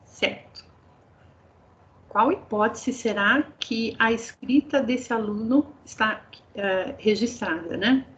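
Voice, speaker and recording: Woman trainer with a Brazilian Portuguese accent, fairly high voice, patient explainer, dull lo-fi call audio. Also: slow pace, few pauses, fairly bright tone, slight background noise. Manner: explanatory, addresses audience as pessoal. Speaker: teacher trainer. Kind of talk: online teacher training presentation. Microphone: video call.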